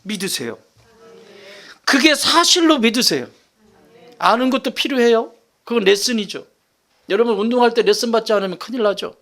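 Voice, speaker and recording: A middle-aged male pastor delivers a lively sermon in a high, gravelly voice that swings widely in pitch. He repeats his points for emphasis, moving from loud bursts down to hushed whispers. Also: normal speed, long pauses. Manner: animated, repetitive, jumps between shouting and whispering.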